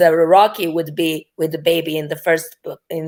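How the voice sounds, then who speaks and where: A woman with a non-native accent speaks at a fairly low pitch in a monotone, flat intonation. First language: not English. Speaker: guest on discussion show. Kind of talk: casual debate.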